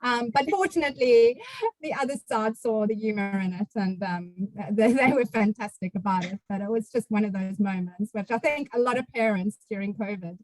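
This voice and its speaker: A woman's voice: medium pitch, brisk, a little mellow, low-quality recording. A woman with a strong South African accent, a finance chief telling a funny story on a video call. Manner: storytelling, laughs through anecdotes. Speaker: CFO, panelist.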